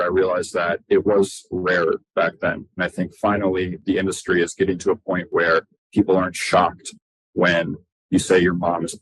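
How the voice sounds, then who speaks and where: A young man giving a prepared video message in a steady voice. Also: deep voice, husky, no echo, rough recording.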